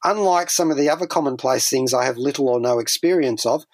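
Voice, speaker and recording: A man's voice: mid-range voice, fast, dry recording. A man hosting a pop culture radio show in a chatty, wordy way, with whimsical turns of phrase and wry asides. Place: dry radio studio.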